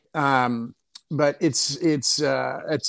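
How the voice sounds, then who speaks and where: Here is a man with an ordinary speaking voice, medium pitch and ordinary pitch variation. The recording is very clean with a silent background, and the sound is dry and close with no echo. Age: 50s. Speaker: podcast co-host and basketball coach. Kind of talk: casual chat.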